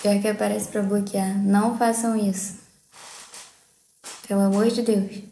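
A woman's voice: medium pitch, flat delivery, unhurried, vocal fry, mellow, echoey room, slight background noise, rough recording. A young adult woman with a Brazilian accent chatting casually and playfully on a livestream. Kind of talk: casual live-stream chat. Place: small indoor room at home.

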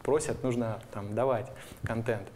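A man's voice: mid-range voice, steady tone, normal speed, a little mellow. Man explaining plans in a studio interview. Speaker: guest, animation studio representative. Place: indoor TV studio. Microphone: lapel mic.

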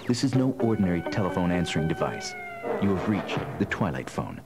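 A man's voice: low-pitched, very animated, brisk, over music. A man playing a solemn, mysterious announcer, grave and dramatic, in parody narration. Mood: ominous.

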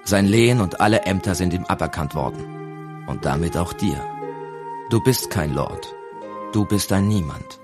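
A man narrating an audiobook in a calm, even storytelling manner. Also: sits low, measured pace, over music.

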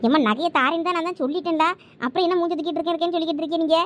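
A woman's voice: very high-pitched, very fast, no room sound. A young woman with a Thoothukudi Tamil accent, bickering through domestic dialogue in a village comedy skit. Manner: bickering, domestic back-and-forth.

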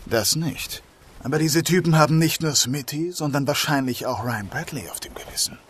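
An actor playing a dry, cautious police detective in a German crime audio drama, wry and understated. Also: male voice, on the high side, moderate pace, a little hiss or hum, lightly acted. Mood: serious, wary. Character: dry, cautious male police detective inspector narrating his case. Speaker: lead actor and narrator.

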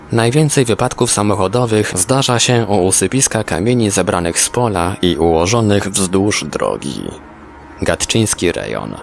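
A man's voice: sits low, gravelly. A man reading a scripted article as a documentary narrator. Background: background music.

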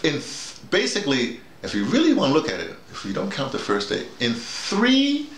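In a small, echoing room with bare walls, a seated middle-aged or older man explains things casually to colleagues over slight background noise. His voice is on the high side with wildly swooping pitch; as a workshop leader and radio drama teacher, he's emphatic, halting and repetitive.

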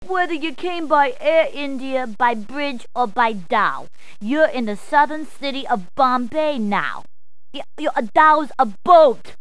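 High-pitched, jokey New policewoman. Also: lively intonation, slow, clear, resonant tone, no room sound, rough recording. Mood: brash, playful. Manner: playful, punning, emphatic delivery. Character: brash, jokey New York policewoman giving directions. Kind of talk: scripted video game character clips.

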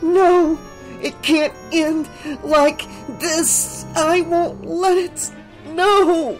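A woman's voice: slow, darkish tone, soft background music, poor audio. A narrator putting on Kristen, a panicked drugged young woman. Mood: slurred. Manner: shrill screaming, then slurred. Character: exhausted, drugged young woman, frantic and defiant. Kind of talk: audiobook character voice.

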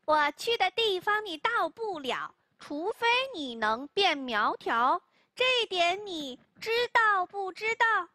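A cheeky, fearless little boy in a storybook tale, voiced by a woman, teasing in a sing-song way. His voice is very high and lively, and the sound is dry. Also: unhurried, no echo, exaggerated voice. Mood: playful.

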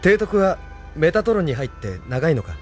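A man's voice: a little high, sing-song, moderate pace, faint music behind. An actor playing a guarded young man who asks probing questions in a radio drama. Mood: wary. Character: young male heir to a rebel cause, wary. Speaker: young rebel leader.

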